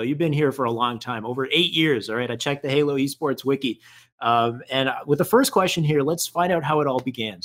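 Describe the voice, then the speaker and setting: A man hosting a stream show, upbeat and enthusiastic, firing off quick affirmations while interviewing a guest. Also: mid-range voice, a bit bright.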